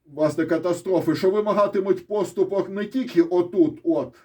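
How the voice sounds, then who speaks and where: A military-political commentator with a Ukrainian accent speaks in a high, darkish voice at a moderate pace. His casual solo map commentary on the war is blunt and sarcastic, full of swearing and pointing asides.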